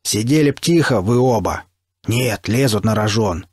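A man voicing a scornful, menacing male stalker who speaks slowly and with contempt. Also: on the low side, expressive, a little mellow, husky, dry recording, clean studio sound. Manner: slow, drawn-out, contemptuous.

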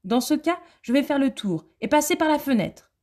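A woman voicing a fussy, bossy male white rabbit in a storybook reading, with a shrill, commanding, impatient manner. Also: lively intonation, normal speed, a little mellow. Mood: grumbling.

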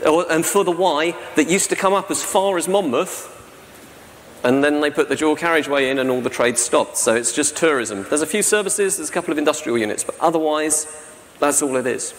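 A man in his forties gives a conference talk from a lectern mic, chatty and self-deprecating, often tagging on "right?". His voice sits a little high for a man. The big hall adds a long reverb and a faint hiss behind him. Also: fairly quick. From South-East England. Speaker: conference speaker. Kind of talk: presentation talk. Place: large dark hall on a stage with projection screen. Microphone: stand mic at lectern.

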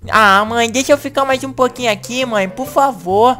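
A woman hosting a gaming channel in a comedic video-game animation. She talks in excitable, whiny bursts with a rather high voice. Faint music plays under her. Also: moderate pace.

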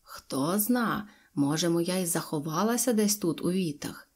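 A woman voicing an angry male robber chieftain who barks slow, gruff orders. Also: fairly low pitch, expressive. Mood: scheming.

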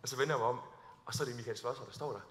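A young man giving a sermon at a Christian summer camp, telling funny stories about himself with lively acting-out before moving into serious preaching. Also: mid-range voice, slight background noise. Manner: lively storytelling, acts out his own awkward moments. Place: large hall before an audience. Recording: long hall reverb.

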